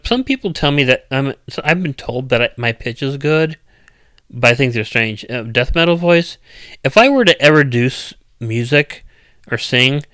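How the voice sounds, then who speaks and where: A man chatting casually with viewers on a stream, with a loud, strong voice and an uneven, rambling cadence full of restarts. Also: medium pitch, clear, resonant tone, no room sound. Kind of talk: casual live chat.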